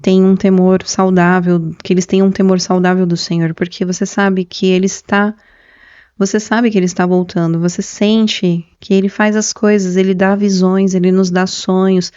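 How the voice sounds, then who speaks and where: An earnest woman speaks to the camera in a warm, mellow voice, confessional and emotional, repeating herself as she tells her testimony. She describes herself as shy. The recording sounds dull and slightly muffled. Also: medium pitch, flat delivery, normal speed, clear, resonant tone, no room sound. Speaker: Christian video creator. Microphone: camera mic.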